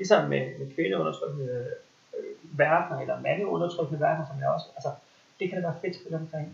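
Noticeable noise in the background accompanies a man talking at a fairly quick speed. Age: 30s. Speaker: role-player. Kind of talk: casual interview. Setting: home living room.

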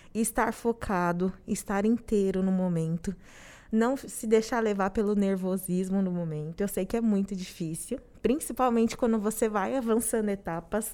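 Speaking at a moderate pace, a woman has a medium pitch, ordinary pitch variation and a dark, mellow tone. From São Paulo East Zone, Brazil. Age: 30s. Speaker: corporate trainee, economist. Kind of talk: casual interview chat.

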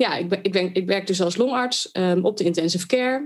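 A woman with an ordinary speaking voice talks at a fairly quick pace, her pitch medium with ordinary variation. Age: 30s. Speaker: pulmonologist and coach. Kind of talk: interview.

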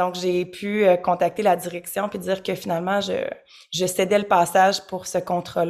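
With a Quebec accent, a woman of medium pitch talks at a moderate pace. Her intonation stays monotone and flat. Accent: Québécois French. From Quebec, Trois-Rivières. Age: 30s. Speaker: yoga and meditation teacher, entrepreneur. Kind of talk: podcast interview.

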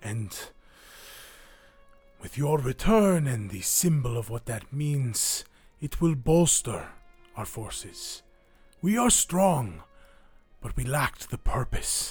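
Faint background music behind a man's put-on character voice at medium pitch, fairly slow with long, frequent pauses. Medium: actual play. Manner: measured, commanding.

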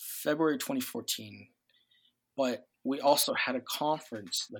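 The intonation is lively. It is a very clean recording with a silent background. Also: man. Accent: American. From US, Marietta (raised there after birth in San Diego). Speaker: community organizer. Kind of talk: casual interview. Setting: call.

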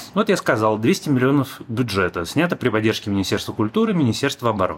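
Amid noticeable background noise, a man speaks at a fairly quick pace with very wide pitch swings. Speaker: film producer. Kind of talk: prerecorded commentary.

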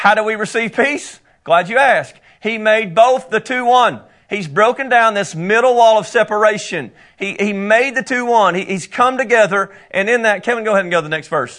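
A man's high voice with a slight Southern US accent, at a moderate pace with ordinary pitch variation against a quiet background. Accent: Southern US, slight country. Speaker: Bible teacher. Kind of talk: Bible lesson. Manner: casual, enthusiastic.

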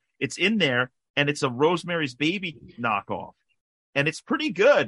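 A man with a New York accent talks at a moderate pace in a bright, sharp tone, recorded dry and close with no echo against a quiet background. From Brooklyn and Long Island, New York. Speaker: musician and film producer. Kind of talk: casual chat. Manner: halting.

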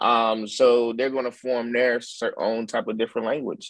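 A man speaks at a moderate pace, and the sound is dry and close with no echo. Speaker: guest. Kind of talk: casual chat.

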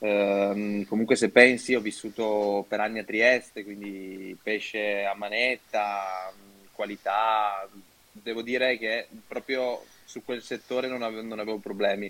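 A man speaks at a fairly slow pace and a fairly low pitch, his intonation monotone and flat. His loudness swings widely. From Friuli, Italy. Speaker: nutritionist. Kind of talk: casual chat.

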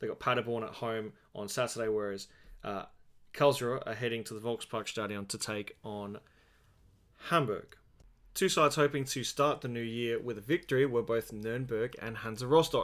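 Animated and enthusiastic, a man with an Australian accent speaks at a moderate pace and medium pitch with ordinary pitch variation and big swings in loudness on a very clean recording with a silent background. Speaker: podcast host. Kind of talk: sports podcast review; sports commentary, describing goals. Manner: animated, enthusiastic; conversational, with fillers.

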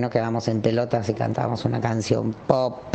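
A woman with a very deep, low pitch talks against noticeable background noise. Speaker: performer. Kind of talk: interview testimony. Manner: halting.

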